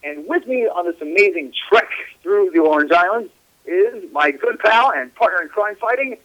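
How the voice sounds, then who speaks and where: A man's voice: high voice, lively intonation, moderate pace, pushed and bright. A man hosting a casual podcast in a hypey, loose way, often stumbling and restarting. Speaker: podcast host. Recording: dull lo-fi sound.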